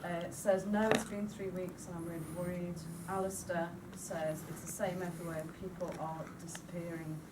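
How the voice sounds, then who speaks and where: A woman's voice: on the low side, little pitch movement, moderate pace, few pauses. A woman reading out a draft radio drama informally, giving dialogue and sound cues matter-of-factly. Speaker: writing workshop participant reading out a script. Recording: distant mic in a noisy room.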